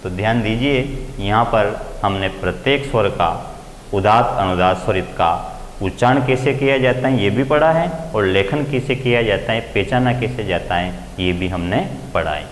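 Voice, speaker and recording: A man teaching Sanskrit grammar in a classroom lecture, explaining slowly and deliberately, and acting out quoted voices with big swings in pitch. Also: animated, slight background noise. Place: coaching classroom. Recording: echoey room with faint ambience.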